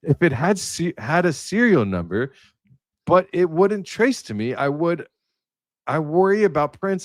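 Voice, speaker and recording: A man reading out the part of an anxious young man confessing, in a halting, theatrical script read. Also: high-pitched, no room sound. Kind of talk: mock-dramatic script reading.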